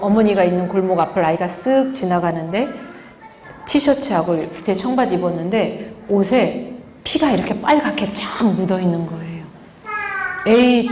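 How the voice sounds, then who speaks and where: A woman lecturing a parenting class, lively and talking straight to her listeners, often asking them questions and acting out the quotes she tells. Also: mid-range voice. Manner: lively, asks the audience rhetorical questions; acts out quoted speech in vivid voices. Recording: echoey hall, faint background noise.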